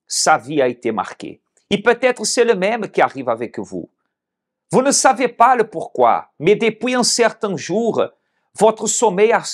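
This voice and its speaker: A man with a high voice preaches at an unhurried pace, speaking straight to his listeners as host of a religious broadcast. He hammers his points home by repeating phrases, slowing down to lean on each one. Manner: emphatic, repeats phrases for weight. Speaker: pastor hosting a religious broadcast. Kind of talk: preaching appeal to viewers.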